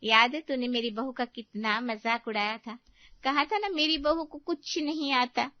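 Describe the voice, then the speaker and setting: A woman's voice: a little high, normal speed, dry recording, lo-fi sound, lightly acted. A woman voicing a mocking older female neighbor in a cartoon story. She teases and cackles at her rival. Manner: teasing, cackling laughter. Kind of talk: Hindi cartoon story voice acting.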